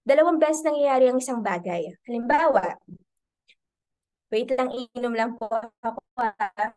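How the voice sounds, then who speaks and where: A young woman with a Filipino accent teaching a team in an online training call, animated and full of tag questions. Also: a little high, normal speed. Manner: animated, code-switching, asks many tag questions. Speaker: business mentor. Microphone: video call.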